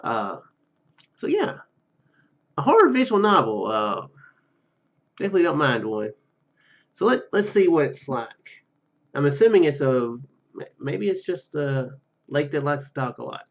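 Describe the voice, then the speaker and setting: A man hosting a gaming video, commenting casually and reading game text aloud in a halting, rambling way. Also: a little high, very animated, dull audio.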